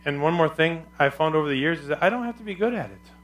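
A male pastor preaching a sermon with a loud, carrying voice and emphatic, repetitive phrasing. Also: a little high, animated, quick pace.

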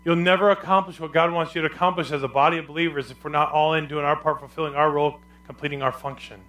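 A male pastor delivering a weekly sermon, his loud voice carrying across the congregation. He speaks a little higher than most men and builds his points through emphatic repeated phrases. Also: fairly even intonation, fast talker.

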